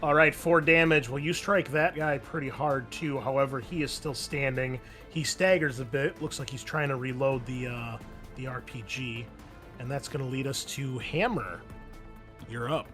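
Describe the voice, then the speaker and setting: A man's voice: medium pitch, steady tone, moderate pace, pushed and bright, soft background music. A man running an online tabletop roleplaying game, explaining things in a casual way. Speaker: game master.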